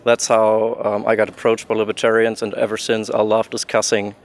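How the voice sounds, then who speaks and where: A young man with a low, flat voice answers interview questions. He hesitates often, filling pauses with ums. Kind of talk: conference vox-pop interview.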